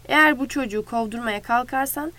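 A steady, commanding ranch leader, read by a woman in a storybook, giving orders in a firm, even tone. Her voice stays somewhat high under him. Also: fairly quick. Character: calm authoritative male ranch leader.

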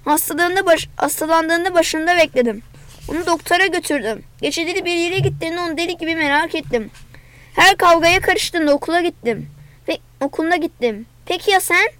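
Woman voicing a furious shouting father. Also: very high-pitched, a little fast. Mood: angry shouting. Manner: shouting, bitter, later pleading. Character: furious shouting father, middle-aged man.

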